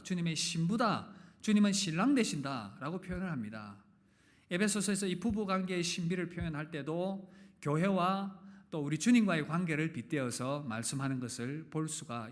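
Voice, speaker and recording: A man from the Gyeongsang region preaching a sermon in a church, his rather high voice swinging through a lively range. He puts questions to the congregation and jokes with them, and now and then opens a point with a sudden loud push. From Gyeongsang region, Korea. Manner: animated, with sudden loud emphatic openings. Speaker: pastor. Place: church sanctuary. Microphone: live-streamed service mic.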